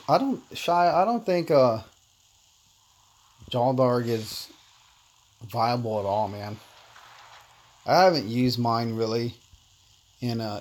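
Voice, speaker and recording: A Korean-born man whose first language is Korean hosts a casual livestream of a mobile game, chatting easily with viewers. His voice sits at medium pitch with a darkish tone, and his manner is laid-back and talkative; he reads the chat aloud and calls viewers "man."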